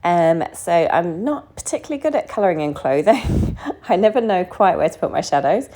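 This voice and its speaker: A woman with a croaky, under-the-weather voice narrates a casual craft tutorial in a chatty, slightly tentative manner. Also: fairly low pitch, animated, moderate pace, warm tone. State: croaky voice from being sick.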